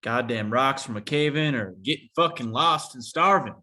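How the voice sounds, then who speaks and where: A man's voice: mid-range voice, moderate pace, bright, forceful tone, close to an everyday voice. A man playing a hostile, bitter, foul-mouthed coal miner in a screenplay table read, speaking bluntly and confrontationally.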